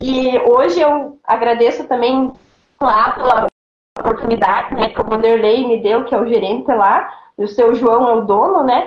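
Here is a woman with an ordinary speaking voice and a fairly high pitch. She keeps a moderate pace, very even loudness and ordinary pitch variation. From Paraná, Brazil (Vale do Iguaçu, Paulo Frontin). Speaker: interviewee sharing life story. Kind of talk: testimony.

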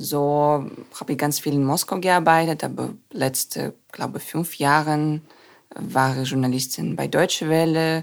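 A woman with a Russian accent speaks at a fairly slow pace with a very deep, low pitch and fairly even intonation. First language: Russian (speaking German). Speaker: journalist and news presenter. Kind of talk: casual chat. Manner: halting.

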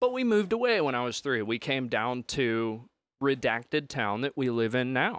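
Pitched at a medium level, the man has an unremarkable speaking voice and talks at a moderate pace with ordinary pitch variation. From Pennsylvania. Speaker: podcast guest, contest winner. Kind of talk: casual comedic chat and storytelling.

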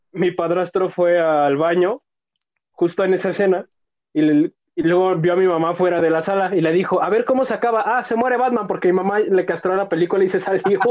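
A man with a high pitch speaks fairly quickly, his loudness very even. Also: ordinary pitch variation. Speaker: podcast co-host. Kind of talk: casual chat. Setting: video call.

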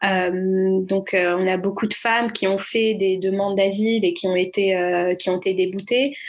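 Hardly pausing, a woman talks at a fairly slow pace in a monotone, flat delivery. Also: medium pitch for a woman, very even loudness. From France. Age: 20s. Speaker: charity volunteer. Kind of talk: interview.

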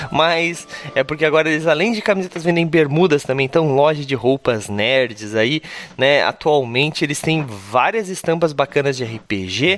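Noticeable background noise runs behind a man speaking at a moderate pace. His pitch is fairly high, and his intonation is lively. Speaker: RPG streamer host. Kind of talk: casual live-stream chat. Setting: live stream. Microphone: audio feedback echo.

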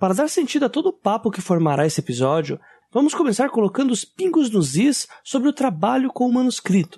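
A man with an extremely high pitch and a dark, mellow tone speaks at a fairly quick pace with very wide pitch swings, in a dry, close sound with no echo. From Brazil, São Paulo. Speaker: podcast host. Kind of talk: scripted narration.

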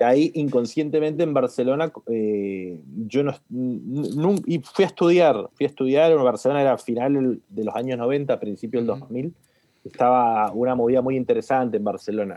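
Speaking at a moderate pace, a man uses a medium pitch with ordinary variation and a dark, mellow tone. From Argentina (born in Algeria, moved at five). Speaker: DJ and music manager. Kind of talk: casual interview chat.

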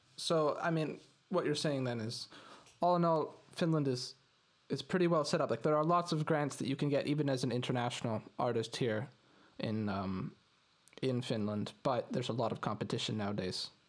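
A man with a Canadian accent has an ordinary speaking voice, pitched fairly high, with lively intonation at a moderate pace. The recording is very clean, with a silent background. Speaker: podcast host and art student. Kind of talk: interview; scripted intro.

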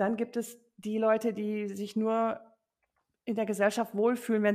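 Her pace stays moderate. The woman's pitch is fairly high. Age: 50s. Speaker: flight attendant and sobriety coach. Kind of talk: interview.

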